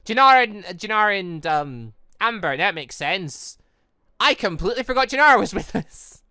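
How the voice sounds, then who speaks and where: A woman giving casual let's play commentary, reading game dialogue aloud and rambling as she thinks out loud with animated reactions. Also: mid-range voice, normal speed, clear, resonant tone, no room sound, clean studio sound. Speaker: gaming channel host.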